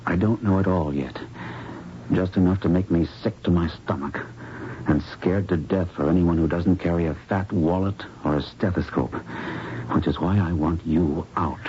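An actor playing a troubled, disillusioned young doctor in a radio drama, speaking with urgent, bitter intensity. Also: male voice, low-pitched, moderate pace, dark tone, close to an everyday voice. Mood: urgent, wary. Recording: dull, noisy old radio broadcast.

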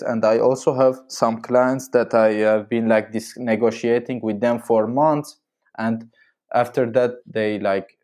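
Mellow man. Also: medium pitch. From Syria. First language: Armenian and Arabic. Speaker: podcast guest, marketing agency founder. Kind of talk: casual conversational interview answers.

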